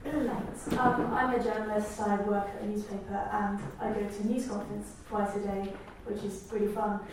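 A woman journalist speaks firmly on a discussion panel. Her tone stays flat and level. The distant sound rings through a very echoey hall with a faint hiss. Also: mid-range voice, normal speed.

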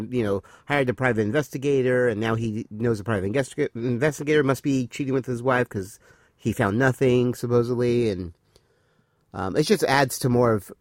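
A man's voice: medium pitch, no room sound, clean studio sound. A man co-hosting a casual podcast, rambling through an episode recap with many fillers. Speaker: podcast co-host. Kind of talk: casual chat reviewing a TV episode.

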